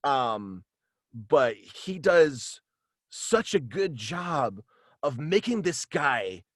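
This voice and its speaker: A man talking casually as an interview guest on a video call, halting and animated in manner. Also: on the high side, dry recording. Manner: halting and animated, slipping into quoted dialogue. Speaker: guest, voice actor and author. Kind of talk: casual interview chat about own radio play. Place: indoors at home, on a video call.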